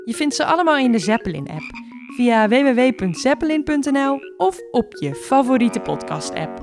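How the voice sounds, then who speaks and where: A woman's voice: sits high, big pitch swings, normal speed. A woman co-hosting a children's podcast, signing off in a cheerful, sing-song way. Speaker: podcast co-host. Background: music.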